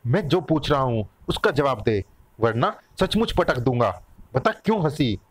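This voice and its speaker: A man voicing a gruff wolf-kin man. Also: mid-range voice, very animated, measured pace. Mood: menacing. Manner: bossy, threatening, gruff.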